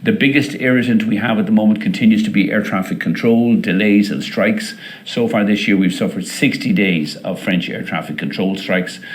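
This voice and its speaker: This lowish male voice belongs to an airline executive reporting company results. His semi-scripted delivery is slow and careful, broken up by many hesitant pauses.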